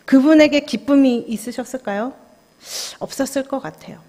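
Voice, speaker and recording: Woman pastor preaching, talks right to the congregation, kinda high voice, big echoey church hall. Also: moderate pace, dark tone. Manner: confessional, conversational, questions the congregation. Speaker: junior pastor. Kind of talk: sermon at a Friday prayer service. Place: church sanctuary. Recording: long church hall reverb.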